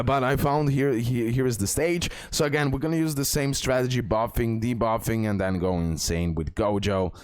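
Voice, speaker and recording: A man giving casual, excitable gameplay commentary, repeating words and talking straight to his viewers. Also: fairly low pitch. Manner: excitable, repetitive, addresses viewers directly. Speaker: gaming content creator, host. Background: music.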